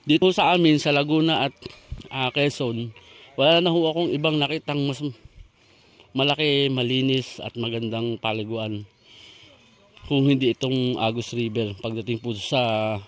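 A man's voice: mid-range voice, a little hiss or hum. Polite man touring riverside land. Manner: polite, chatty, points things out. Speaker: vlogger showing land for sale. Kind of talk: casual walking tour narration. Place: outdoors by a river on farmland.

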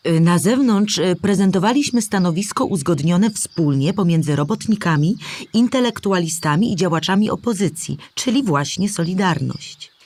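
An actress playing an earnest, principled woman activist giving deliberate first-person testimony in an audio drama. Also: lowish voice, animated, a little mellow. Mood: earnest, resolute. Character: female strike activist recalling events, earnest and principled.

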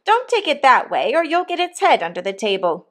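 A woman voicing a brisk, bossy nursemaid in a storybook, ordering the household about. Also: sits high, very animated, a bit bright, pitched above the performer's own voice.

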